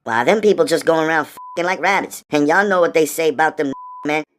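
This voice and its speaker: Man putting on a high-voiced young waitress. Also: fairly quick, fairly bright tone, natural voice. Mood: chatty, curious.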